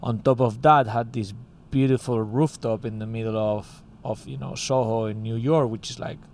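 The speaker is a man from Spain who co-founded a music school, chatting casually in an interview with a Spanish accent and filling his rambling talk with "like" and "you know". His mid-range voice is gravelly and a little mellow, with fairly even intonation and normal speed. A faint hiss or hum is present.

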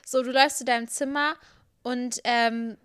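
A woman's voice: on the high side, fairly even intonation, moderate pace, a bit bright, clean tone, no room sound, clean studio sound. A young woman co-hosting a casual podcast, playfully reading out the text of a story game and laughing along. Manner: laughing, playful, reads dialogue aloud. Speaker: podcast co-host.

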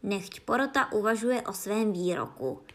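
A woman's voice: mid-range voice, animated, a bit bright. A woman voicing a pompous, fussy king who mutters to himself in a storybook reading. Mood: pompous muttering. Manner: muttering, self-satisfied. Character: pompous fussy old king of a card court.

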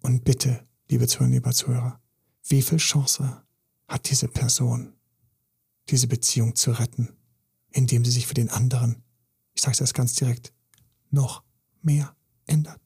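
A man's voice: mid-range voice, flat delivery, a little slow, vocal fry, pauses often, dark tone, slightly rough. A man, a relationship coach giving an emphatic, intense podcast monologue full of repetition.

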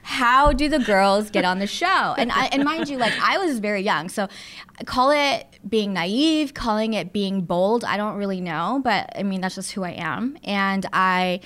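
A woman's voice: mid-range voice, animated, unhurried, a bit bright. A woman in her thirties, a producer and studio owner born in the Philippines and raised in Southern California, chatting casually as an interview guest with plenty of fillers and asides.

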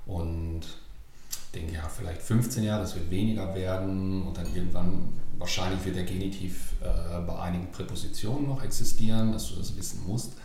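A man chatting casually and thoughtfully, often pausing with fillers and restarting his sentences. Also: deep voice, darkish tone. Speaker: German speaker living abroad, learning Czech. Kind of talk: casual conversation. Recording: very echoey room with faint noise.

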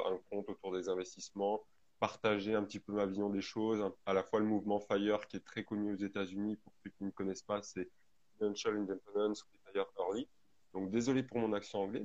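A man's voice: lowish voice, darkish tone. A young man hosting a casual live stream, explaining at length with many fillers. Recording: lo-fi online audio.

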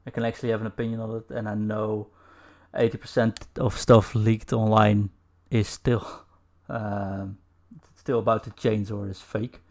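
A man hosting a casual video podcast over a call, relaxed, laughing often and filling pauses with "uh". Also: on the low side. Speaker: podcast host.

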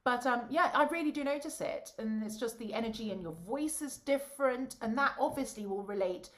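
A woman, an opera singer and voice coach, chatting in a bubbly, animated way and laughing often over a video call. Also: a little high, fairly quick. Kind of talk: casual chat.

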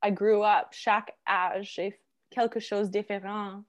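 A woman, native English speaker, chatting casually in halting French with an English-speaking accent, searching for words and slipping into English. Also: mid-range voice, level tone. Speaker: interview guest.

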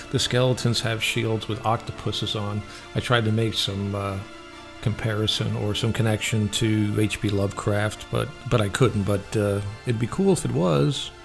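Gravelly man hosting a casual radio show. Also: on the low side. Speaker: radio show host and film reviewer. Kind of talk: casual solo film review.

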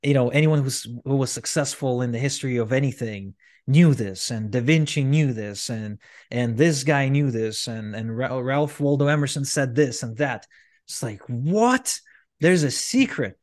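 A man's voice: mid-range voice, lively intonation, normal speed, a little mellow, dry recording. Rambling man, dry sound. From Ukraine. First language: Russian. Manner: rambling, frequent restarts and fillers. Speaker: podcast guest, entrepreneur. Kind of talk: candid storytelling interview.

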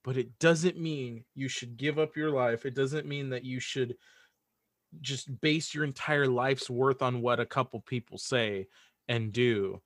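A man's voice: medium pitch, steady tone, measured pace, dry recording, clean studio sound. A man speaking as a podcast guest, casually and earnestly giving opinions and repeating phrases for emphasis.

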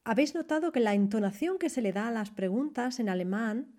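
A woman's voice: fairly high pitch, expressive, fairly quick, mellow. A woman teaching German in a podcast lesson, carefully modelling example phrases. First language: Spanish.

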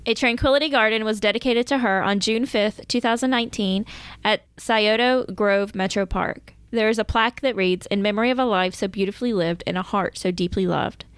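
A woman's voice: medium pitch, fairly quick, smooth, no echo. A woman co-hosting a true-crime podcast, reading out case details and chatting casually. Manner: reads case notes, breaks into laughter. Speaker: podcast co-host.

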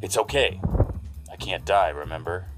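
Deep male voice, hard-boiled gumshoe, played by an actor, weary, brooding, sardonic, music underneath. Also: normal speed, lightly acted. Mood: resolute, uneasy. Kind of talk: noir radio drama acting.

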